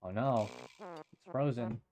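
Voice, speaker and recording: A man doing casual Minecraft gaming commentary, excitable, swearing often and stammering through restarts. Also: mid-range voice, takes it slowly, music in the background. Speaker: Minecraft YouTuber.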